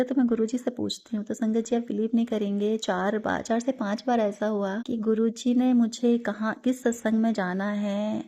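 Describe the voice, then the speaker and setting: Woman, personal spiritual testimony, earnest, mellow tone, flat pitch. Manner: earnest, mixes English words into Hindi. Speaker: devotee sharing a testimony.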